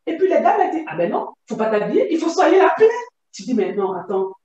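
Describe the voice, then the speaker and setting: A woman giving an emotional personal testimony, halting and pained, often rising to near shouts. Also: a little high, sing-song, highs cut off. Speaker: testimony guest. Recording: echoey room, far from the mic.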